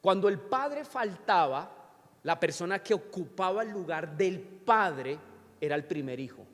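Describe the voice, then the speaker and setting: A man's voice: high-pitched, lively intonation, a little slow, fairly bright tone. A man, preaching a sermon in church and often asking the congregation questions. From Colombia. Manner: teaching with frequent questions to the congregation. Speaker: pastor. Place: church sanctuary. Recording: church hall reverb with faint music.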